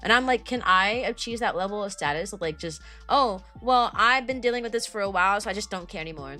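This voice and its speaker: Raspy-voiced woman streamer, bright tone. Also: mid-range voice, animated, fast, soft background music. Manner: chatty and rambling, casual slang. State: raspy, weak voice from allergies. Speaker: VTuber streamer. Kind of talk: casual livestream chat, replying to chat.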